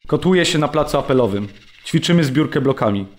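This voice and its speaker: A man's voice: medium pitch, lively intonation, brisk, natural voice. An actor voicing a male camp prisoner who relives beatings and exhaustion in a documentary radio play. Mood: grim, strained. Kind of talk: dramatised documentary narration in present tense.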